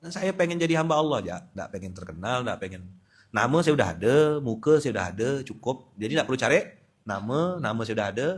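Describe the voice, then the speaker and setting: A man, preaching a lively, humorous sermon with sudden loud emphatic bursts. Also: medium pitch, fast talker, breathy edge. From West Kalimantan, Indonesia. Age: 40s. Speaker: Islamic preacher. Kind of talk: sermon at a dawn study gathering.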